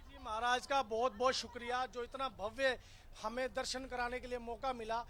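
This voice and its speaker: A man's voice: very high voice, steady tone, moderate pace, sharp tone. A man pilgrim giving thanks and pleading with folded hands for a change.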